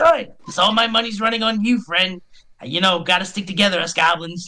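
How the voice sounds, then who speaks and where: Using a put-on character voice, a man speaks at a high pitch. His pace is fairly quick. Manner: sly, grinning, slimy.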